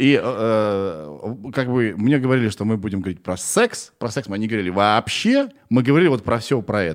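A man speaks at a moderate pace in a medium pitch, his intonation lively. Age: 30s. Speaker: podcast host. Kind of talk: casual interview chat. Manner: informal, joking, animated.

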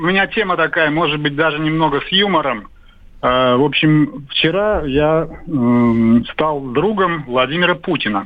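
Long, frequent pauses break up the speech. It moves fairly slowly, and the pitch variation is ordinary. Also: man. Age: 60s. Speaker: caller. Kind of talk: phone-in call.

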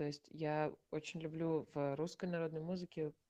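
Recorded with a dry, close sound and no echo, a woman speaks at a very deep, low pitch. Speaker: singer and vocal teacher. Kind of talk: interview conversation.

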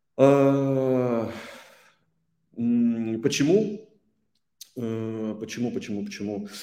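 With a dark, mellow tone, a man speaks at medium pitch and a very slow pace, leaving long, frequent pauses. Pitch variation is ordinary, and there is audible room echo. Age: 30s. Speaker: startup founder. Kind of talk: casual interview.

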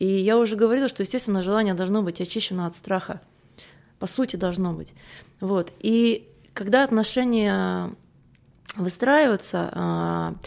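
Very clean, with a silent background, the recording captures a woman speaking at medium pitch. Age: 40s. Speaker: magazine editor. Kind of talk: interview. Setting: hotel room.

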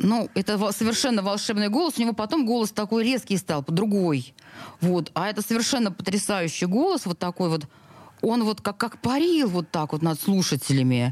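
At a moderate pace, a woman talks while her pitch swings very widely. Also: medium pitch for a woman. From Saint Petersburg (Leningrad). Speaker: journalist. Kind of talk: interview. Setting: radio studio. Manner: halting.

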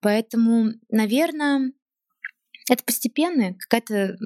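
A woman's dark, mellow tone at a fairly slow pace with ordinary pitch variation, dry and close with no echo, on a very clean recording with a silent background. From northern Russia, Vologda region (small town). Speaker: fashion designer and brand founder. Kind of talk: casual interview conversation. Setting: in her own clothing salon.

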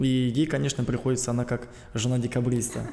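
Here is a man with an ordinary speaking voice. He talks at medium pitch and a fairly quick pace. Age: 20s. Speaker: martial arts champion. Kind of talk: interview. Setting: studio.

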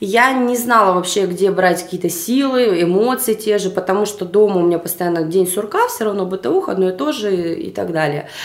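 A woman talks at a fairly quick pace. There is noticeable background noise behind her. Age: 20s. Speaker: reality TV show participant and blogger. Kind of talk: casual interview. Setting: hotel suite studio.

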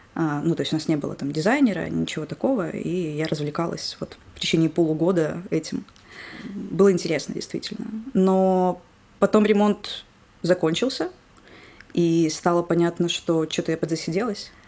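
Pausing long and often, a woman with a fairly low pitch talks at a moderate pace with ordinary pitch variation. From Rostov-on-Don, southern Russia. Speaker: ceramic artist. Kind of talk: casual chat. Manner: reserved, not very talkative.

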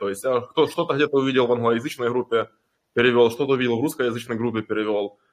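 His pitch medium, a man speaks with ordinary pitch variation. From Ukraine. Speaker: crypto community member, channel creator. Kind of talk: casual question in group voice chat. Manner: halting.

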